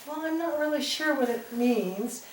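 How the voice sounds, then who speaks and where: An easygoing woman explains things in a relaxed, casual chat. Her voice is fairly high, with faint noise in the background. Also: measured pace. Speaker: guest explaining snowboarding.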